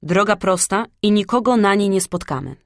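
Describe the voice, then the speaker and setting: A woman voicing a solemn black raven who guides the way, speaking in a measured tone. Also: mid-range voice, animated, no echo, studio quality, lightly acted.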